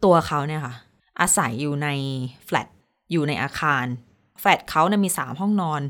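A woman radio host telling a news story in casual chat, animated when quoting. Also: low voice, moderate pace.

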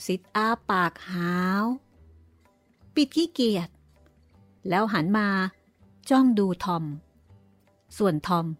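A woman narrating an audiobook in a measured storytelling manner. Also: mid-range voice, animated, no echo, soft background music.

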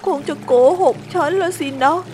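A shy young hippo girl from a storybook, as a woman puts her on, speaking in a soft, polite, apologetic way. The voice sits high and bright above the narrator's own. Faint music plays underneath. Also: expressive, normal speed. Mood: sad. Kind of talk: storybook role-play.

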